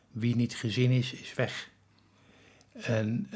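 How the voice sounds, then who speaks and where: This man's voice sits at a medium pitch. It comes across somewhat breathy. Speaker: professor. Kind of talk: interview.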